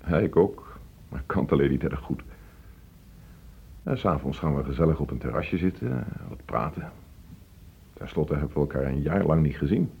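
A man acting a frustrated divorced father in a Dutch radio play, reproachful and emotional, halting when upset. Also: a bass voice, animated, gravelly, breathy edge, exaggerated voice. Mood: wistful, coaxing. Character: frustrated divorced father pleading with his teenage son. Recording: dull, muffled old radio play recording.

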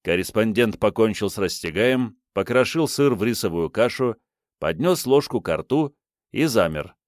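A male audiobook narrator reading a novel in a measured, even storytelling manner, his voice low and steady. He is recorded on a close studio mic, dry and free of any room sound. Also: no room sound. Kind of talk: scripted narration.

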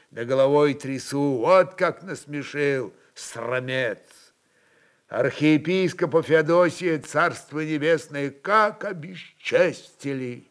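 A man playing a querulous, pious old metropolitan with a plaintive, drawn-out churchly delivery. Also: medium pitch, a bit bright, pitched above the performer's own voice. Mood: bitter, aggrieved.

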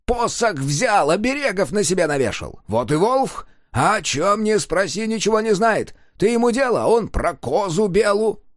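A man voicing a loud, quarrelsome peasant brawler in a storybook, shouting high and strained. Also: big pitch swings, normal speed, hardly any pauses, dry recording, clean studio sound. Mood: yelling.

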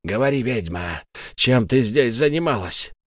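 A man voicing a stern, vengeful male ghost who interrogates in a slow, menacing tone. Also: mid-range voice, expressive, no room sound, studio quality.

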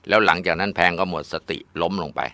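Bright-voiced male ghost storyteller. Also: sits low, fairly even intonation, fast, clean tone, dry recording. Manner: casual, conversational storytelling.

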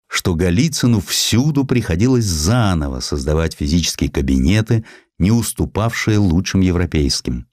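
A man reading a historical essay as an audiobook narrator, in an expressive, scripted literary style. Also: low voice, no room sound, clean studio sound.

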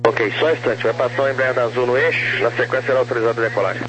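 Fast-talking Brazilian man on crackly radio. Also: medium pitch, fairly bright tone. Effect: crackly aviation radio. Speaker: air traffic tower controller. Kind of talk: brisk radio phraseology with improvised instructions. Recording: crackly radio with clear noise and hum.

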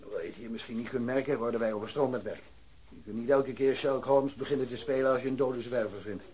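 Guy doing a sloppy cop making excuses in a radio drama, from the netherlands, husky, blustery. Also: medium pitch, quick pace, darkish tone, lightly acted, rough recording. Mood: self-excusing. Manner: dismissive, blustering. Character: careless, defensive male policeman, brash and self-excusing.

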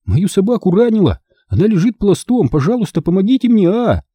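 A desperate little boy from a storybook, as a man voices him, raised high above the reader's own voice. He pleads urgently and thinly, and the sound stays close and dry. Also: big pitch swings, a little fast, breathy edge, dry recording, heavily acted. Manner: pleading and shouting.

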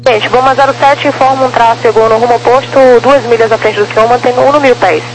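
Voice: mid-range voice, fairly even intonation, quick pace. An air traffic controller giving terse, procedural instructions in clipped aviation phraseology over a radio transmission. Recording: noisy, humming aviation radio.

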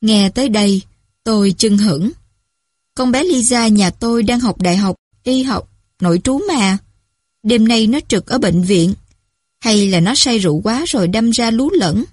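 Woman storyteller, measured narration, husky tone, dry recording. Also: mid-range voice, a little mellow, no echo.

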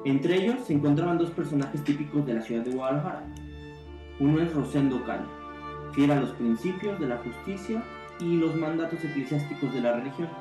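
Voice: medium pitch, fairly quick. Radio-serial narrator over violin music. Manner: announcer-style, emphatic. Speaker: narrator and announcer. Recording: roomy echo with violin music.

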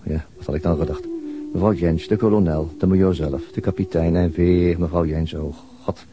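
An actor playing a weary, grumbling police detective, dry and terse, in a radio drama. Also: male voice, sits low, fairly even intonation, moderate pace, warm tone, close to an everyday voice.

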